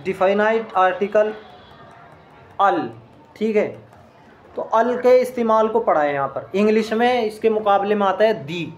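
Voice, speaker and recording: High-voiced man teaching Arabic grammar. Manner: explains step by step, quizzes the listener with questions. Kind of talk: classroom grammar lesson.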